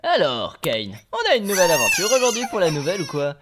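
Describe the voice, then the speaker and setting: A man's voice: high-pitched, huge pitch swings, fast talker, heavy background noise. A man voicing a smug, teasing cartoon prankster rabbit in a French fan dub, with a sardonic drawl. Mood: dismissive. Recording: loud music behind.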